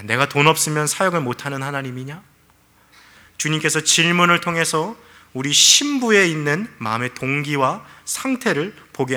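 Bright-voiced man preaching a sermon. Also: fairly high pitch. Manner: earnest preaching, addresses listeners directly, acts out quoted prayers. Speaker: pastor.

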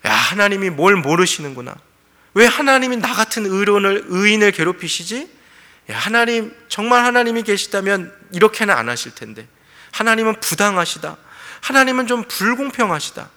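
A man's voice: fairly high pitch, fairly quick, hardly any pauses, bright, forceful tone, long reverb tail. A man acting out an indignant, self-righteous old man protesting to God within a sermon. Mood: aggrieved. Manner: aggrieved, protesting.

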